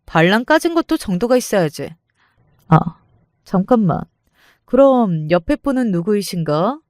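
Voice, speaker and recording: A woman's voice: medium pitch, big pitch swings, normal speed, a little mellow, no room sound, studio quality, lightly acted. A woman voicing a brash, foul-mouthed older sister who taunts and threatens in a dramatized story. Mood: mocking.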